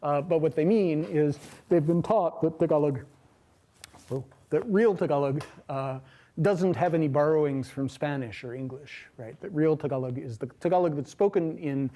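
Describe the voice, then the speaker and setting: A middle-aged man giving a university lecture in a large hall, talking in a relaxed, chatty way with many fillers and asides. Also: fairly high pitch. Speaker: linguistics lecturer.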